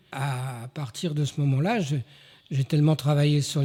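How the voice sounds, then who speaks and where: A man speaks at a moderate pace in a fairly high pitch, his tone dark and mellow and somewhat breathy. The recording is very clean, with a silent background. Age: 80s+. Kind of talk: interview. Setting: outdoors at a riverside open-air café.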